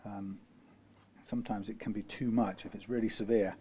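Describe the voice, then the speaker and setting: A man's voice: fairly low pitch, steady tone, moderate pace, dark tone, slight background noise. A man from the UK working through a guitar repair, talking in a rambling way, correcting himself and dropping dry asides. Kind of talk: workshop how-to narration.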